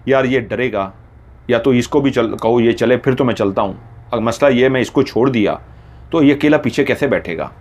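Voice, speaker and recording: A man voicing a sharp-tongued young man who bluntly scolds his friend. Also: medium pitch, normal speed, close to an everyday voice. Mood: irritated.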